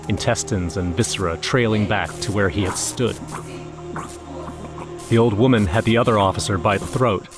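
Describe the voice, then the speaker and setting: A man's voice: fairly low pitch, close to an everyday voice. A man playing a grim, shaken eyewitness, narrating a scripted first-person horror audio drama. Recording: music under the voice.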